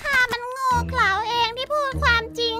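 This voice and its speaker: A woman voicing a small, honest, timid talking bird in a children's story, in a very high chirpy voice. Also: fairly even intonation, brisk. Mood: upset. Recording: music bed behind.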